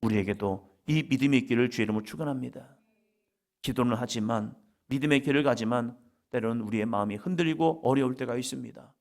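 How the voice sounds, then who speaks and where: Middle-aged man, pastor, emphatic sermon, mid-pitched voice, loud bursts and hushed whispers. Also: quick pace, vocal fry. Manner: acts out quoted prayers and voices of others. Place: church worship service.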